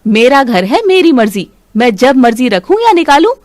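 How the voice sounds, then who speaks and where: A scheming middle-aged mother-in-law snaps and scolds in a high, lively voice, voiced by a woman. She sounds sly and bossy, like a storybook cartoon villain. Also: normal speed, dry recording, clean studio sound, natural voice. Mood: scolding. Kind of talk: animated storybook voice acting.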